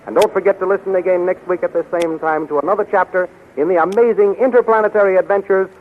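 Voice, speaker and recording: A man's voice: sits high, fast. A male announcer reading scripted 1930s radio narration in an emphatic, declamatory way. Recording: tinny, faintly noisy 1930s radio recording.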